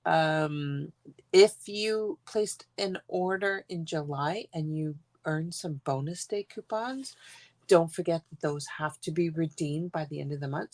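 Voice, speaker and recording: A woman's voice: sits low, no echo. A woman from Ontario, stuffed up with congestion, chatting her way through a live card-making demo from her craft room. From Guelph, Ontario, Canada. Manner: chatty, rambling. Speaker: stamping demonstrator.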